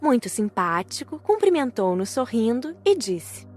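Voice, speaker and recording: A woman's voice: a little high, sing-song, unhurried, a little mellow, faint music behind. A woman reading scripted first-person audiobook narration.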